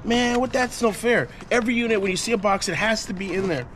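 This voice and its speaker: Excitable man unboxing outdoors. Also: high-pitched, fast, noisy background. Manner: excitable, joking, talks to camera. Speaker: storage unit buyer. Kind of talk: casual vlog while unboxing. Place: outdoor storage facility, sunny lot. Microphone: camera mic, handheld close.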